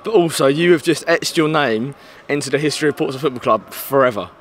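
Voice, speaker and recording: A man's voice: on the high side, fast talker, fairly bright tone, slight background noise. A man, a club media interviewer speaking enthusiastically outdoors in a stadium at night. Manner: enthusiastic, declamatory. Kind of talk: post-match interview.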